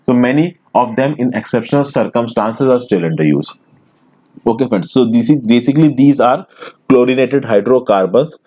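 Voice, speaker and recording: In a recorded screen lecture, a man speaking Indian English explains things step by step, frequently calling his audience friends. His mid-range voice has a dark tone and lively intonation at a normal speed.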